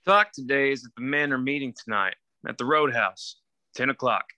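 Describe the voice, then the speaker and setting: A man's voice: medium pitch, normal speed, bright, forceful tone. A man reading the part of a folksy, laconic small-town restaurant keeper at a screenplay table read, in an understated manner. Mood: matter-of-fact.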